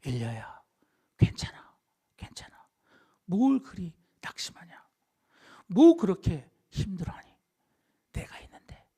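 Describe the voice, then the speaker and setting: A man voicing God as a gentle, comforting presence, speaking softly and partly in a whisper within a sermon. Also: very high voice, a little fast, vocal fry, pitched above the performer's own voice. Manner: soft and tender, partly whispered.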